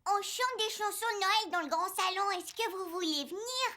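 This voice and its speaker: A performer voicing a curious, excitable four-year-old boy in a children's cartoon, eager and full of questions. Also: very high-pitched, normal speed. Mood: cheerful, eager.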